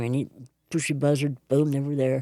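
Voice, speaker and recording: Someone speaks with an American accent in a dry, close sound with no echo. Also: woman. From US West, Los Angeles. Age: 60s. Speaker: formerly homeless woman recovering from paralysis. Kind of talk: interview.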